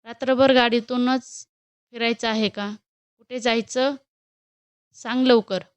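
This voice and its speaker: A woman's voice: on the high side, steady tone, slow, clear, resonant tone, no room sound. A woman reading a storybook who voices a stern, short-tempered young man, speaking curtly and with irritation. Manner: curt, irritated.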